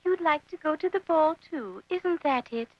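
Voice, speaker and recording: A woman's voice: sits high, expressive, normal speed, dry recording. A woman voicing a kindly, motherly fairy godmother in a children's storybook drama, sweet, fussing and reassuring. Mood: gently consoling. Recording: dull lo-fi audio under music.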